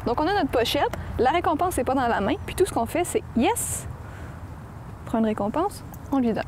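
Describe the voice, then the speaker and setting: Woman, Québécois accent, dog trainer, patient explainer, higher voice, echoey room with long reverb. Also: lively intonation, moderate pace, darkish tone, slight background noise. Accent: Québécois French. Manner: clear, patient explaining with everyday examples. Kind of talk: explaining training methods in an interview.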